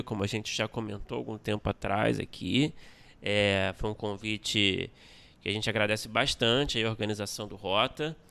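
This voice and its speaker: A man's voice: on the low side, fairly bright tone, clean tone. A man co-hosting a podcast, casual and earnest in tone. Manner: teasing, then earnest and congratulatory. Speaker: podcast co-host.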